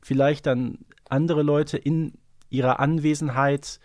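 A man's voice: fairly high pitch, steady tone, a little slow, darkish tone, dry recording, studio quality. A man co-hosting a podcast, explaining things in casual analytical chat with emphatic turns and tag questions. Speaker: podcast co-host.

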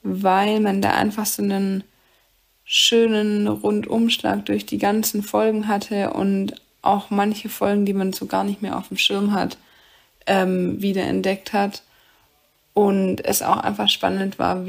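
Creaky, slow young woman's voice message. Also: mid-range voice, flat delivery. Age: 20s. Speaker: podcast listener. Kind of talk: recorded listener message.

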